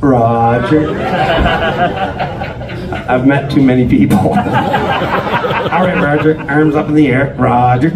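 A man's voice: mid-range voice, fairly even intonation, takes it slowly, long pauses. A middle-aged man hosting a live comedy show, doing teasing standup comic crowd work and echoing people's answers. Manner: teasing, echoes the answers, mild swearing. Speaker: host of a live comedy contest. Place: small club stage, indoors, filmed from the audience. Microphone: handheld stage microphone through PA. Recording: echoey distant audience recording, loud crowd noise. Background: noisy laughing crowd.

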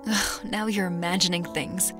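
A woman's voice: fairly low pitch, fairly even intonation, moderate pace, over music, close to an everyday voice. An actress playing a hesitant, self-doubting young woman in an audio drama. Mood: nervous.

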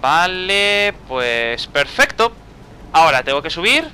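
Bright, lively young man griping through gameplay. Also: on the high side, slow, slight background noise. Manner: exasperated, swears often, talks to himself. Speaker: gameplay commentator. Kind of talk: casual let's-play commentary.

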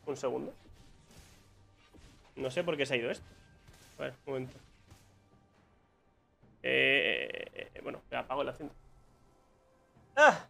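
A man's voice: medium pitch, normal speed, vocal fry, pauses often, pushed and bright, soft background music. A young man with a Spain Spanish accent giving casual live commentary on his own gameplay, muttering to himself and exclaiming when surprised. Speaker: gaming streamer.

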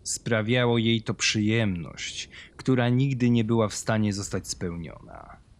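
A man's voice: fairly low pitch, unhurried. A man giving scripted narration of a horror story.

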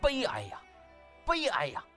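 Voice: mid-range voice, wildly swooping pitch, measured pace, bright, forceful tone, soft background music, pitched above the performer's own voice, full character voice. A narrator voicing an indignant, sarcastic young male underling in a scornful, slangy audiobook rant. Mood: scornful outrage.

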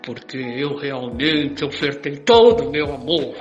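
A man's voice: mid-range voice, a little slow, close to an everyday voice. An older Brazilian man playing a boastful, romantic old womanizer in an amateur radio soap. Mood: wounded, boastful. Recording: muffled, echoey voice clip with faint music.

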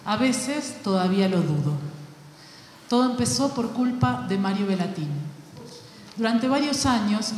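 A woman, an actress and playwright on a panel, reading a prepared essay in a measured, literary way with deliberate pauses. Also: medium pitch, a little mellow. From Argentina. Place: large hall at a panel event. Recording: very echoey hall, faint background noise.

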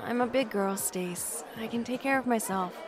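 A woman's voice: on the high side, normal speed, natural voice. A woman in her twenties playing a reserved, overworked young office worker in an audio drama, with music behind her. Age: 20s. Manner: reserved, defensive, a little awkward.

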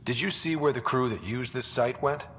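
A man playing a dry, teasing, steady young space adventurer in a video game, wry and deadpan. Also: mid-range voice, moderate pace, slightly rough. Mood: skeptical. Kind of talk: video game dialogue acting.

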